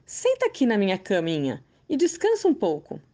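A woman voicing a crafty, cheerful old man who talks calmly and teasingly in a storybook tale. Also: mid-range voice, moderate pace. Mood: sly, teasing. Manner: sly, calm, teasing.

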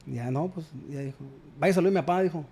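A man's voice: on the high side, quick pace, mellow, husky. A man, a guest musician, casually telling stories in a slangy way and acting out both sides of the conversations. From Culiacán, Sinaloa, Mexico. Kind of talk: casual storytelling chat.

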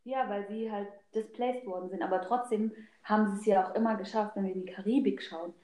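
A woman with a mellow, soft-edged voice talks through her views in a casual discussion. She explains as she goes and drops in the odd English word. The room around her is clearly echoey. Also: mid-range voice, fairly even intonation, fairly quick. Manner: explanatory, peppered with English loanwords. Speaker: discussion participant. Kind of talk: casual opinionated group discussion.

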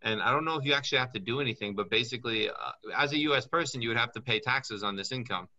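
A business consultant chats on a casual advice call, thinking aloud while he reads up on things. His mid-range voice has a sharp tone and he talks fast. The audio is dull.

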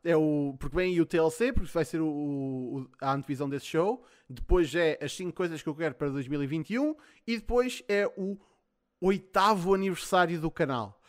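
A man's voice: fairly high pitch, brisk. A man with a European Portuguese accent hosting a livestream in a casual, sweary chat style. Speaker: livestream host.

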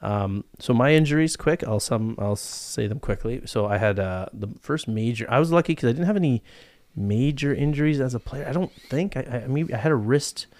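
A man's voice: medium pitch, fairly quick, a little mellow, dry recording, clean studio sound. A man in his forties hosting a casual podcast in a rambling, jokey, self-deprecating way. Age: 40s. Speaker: podcast host. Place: podcast studio.

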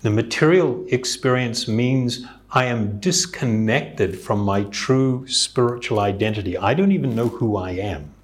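Slow, earnest man giving a yoga talk. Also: medium pitch. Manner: reflective, earnest, with occasional chuckles. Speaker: yoga teacher. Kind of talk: spiritual talk.

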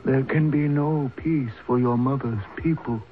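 An actor playing a solemn, fatalistic old uncle, a tribal elder who speaks slowly and formally in a radio drama. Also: male voice, medium pitch, fairly even intonation, close to an everyday voice. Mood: solemn foreboding. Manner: slow, measured, formal speech. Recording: tinny, hissy old radio broadcast.

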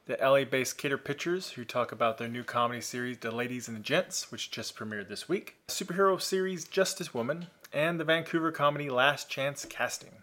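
A man's voice: medium pitch, brisk, hardly any pauses, a bit bright. A man co-hosting a podcast, talking casually and laughing easily at himself. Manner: chatty, self-deprecating, laughs easily. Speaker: podcast co-host.

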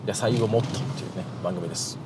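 A man from Shizuoka, Japan, hosting a casual solo podcast in very polite Japanese, softened with chatty fillers. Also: fairly low pitch, quick pace, vocal fry. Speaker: podcast host, greengrocer. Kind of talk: casual solo radio-style chat. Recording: noisy, with car and outdoor street sounds.

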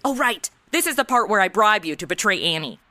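An actress playing a sassy, flippant modern twenty-something in a comedic noir audio drama, slangy and snarky. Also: female voice, medium pitch, very animated, a little fast, bright, forceful tone, no echo.

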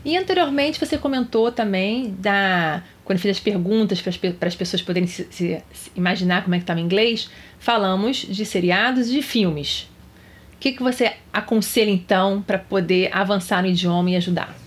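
A woman's voice: mid-range voice, normal speed. A woman hosting a podcast interview, summing up points and asking her guest questions. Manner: guiding, sums up and asks questions. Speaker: podcast host, teacher.

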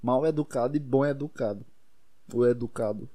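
Mellow-voiced Brazilian man rambling casually. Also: mid-range voice, moderate pace, no echo, studio quality. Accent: Brazilian Portuguese. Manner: animated, swearing, self-deprecating storytelling.

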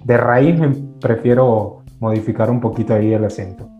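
A man with a Venezuelan accent touched by Mexican, a podcast guest who tells stories lively and acts out what others said. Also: medium pitch, normal speed, faint music behind. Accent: Venezuelan with some Mexican. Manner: lively storyteller, acts out quotes, laughs. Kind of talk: casual podcast conversation. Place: at home in Mexico. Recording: dull, roomy remote call audio.

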